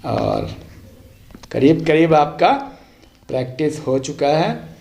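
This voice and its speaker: A man giving a language lesson, reading practice sentences aloud in a deliberate, instructive way, line by line. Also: a little high, lively intonation, vocal fry, a little mellow. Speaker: language teacher. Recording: echoey untreated room.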